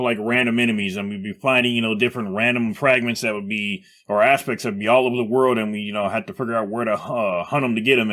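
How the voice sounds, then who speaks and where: A man gives casual gaming commentary, reading aloud and reacting as he thinks out loud. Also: mid-range voice.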